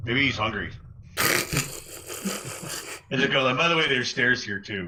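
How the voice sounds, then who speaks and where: A man uses a put-on character voice, raspy and at a medium pitch. He keeps a moderate pace over clear background noise. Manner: casual, offhand.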